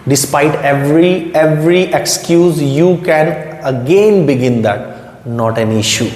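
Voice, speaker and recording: A male English teacher speaks English as his second language and coaxes his listener along in a soft, patient way. He keeps asking rhetorical questions and repeating little reassurances. The voice rings in a roomy, echoing space with a faint hum of ambience underneath. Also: on the high side, measured pace. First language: not English. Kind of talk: motivational spoken lesson to camera. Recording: echoey room with long reverb.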